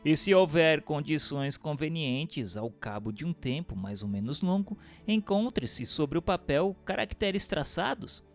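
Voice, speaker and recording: Expressive Brazilian man narrating, higher-pitched. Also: measured pace, few pauses. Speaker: audiobook narrator. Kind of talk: scripted narration of a book. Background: music.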